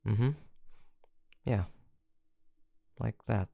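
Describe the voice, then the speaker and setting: Low, creaky young best friend, acted by a man. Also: fairly even intonation, extremely slow, no room sound, studio quality, full character voice. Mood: tender, nostalgic. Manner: casual, playful, murmured hesitations and soft laughs. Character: male college-aged best friend, teasing, softly affectionate. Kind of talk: intimate audio roleplay acting.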